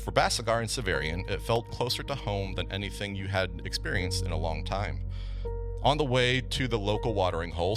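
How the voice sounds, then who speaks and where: A man hosting a tabletop game podcast as game master, chatting casually and recapping the story, with frequent stumbles and laughs. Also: on the low side. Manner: chatty, stumbling over words, laughs often.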